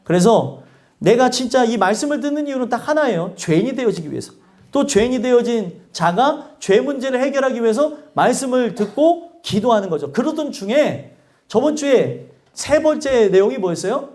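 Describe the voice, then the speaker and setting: A man's voice: extremely high pitch, normal speed. A male pastor preaching a sermon in church, asking the congregation questions and acting out angry prayers. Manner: animated preaching with acted outbursts and rhetorical questions.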